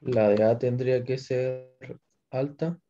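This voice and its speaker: A male student answering a question in class, slow and tentative. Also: mid-range voice, fairly even intonation, dark tone, lo-fi sound.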